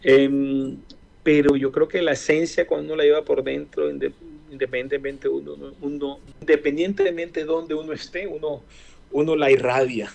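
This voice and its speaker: A man in his forties with a Caribbean Spanish accent from Barranquilla, answering casually in an interview with hesitant, drawn-out pauses. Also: a little high, steady tone, vocal fry, darkish tone. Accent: Colombian Caribbean Spanish (costeño, Barranquilla). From Barranquilla, Caribbean coast of Colombia. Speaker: interview guest, aviation engineer. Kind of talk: casual interview, personal reflection.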